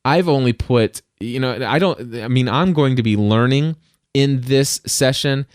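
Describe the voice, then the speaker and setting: A loud man hosts his own podcast, talking through advice in an easy, rambling way full of fillers and restarts. His voice is smooth and resonant, recorded close on a studio mic. The sound is dry, with no room around it. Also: mid-range voice, measured pace, no echo. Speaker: podcast host. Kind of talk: casual how-to talk. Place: home studio. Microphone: dynamic studio mic up close.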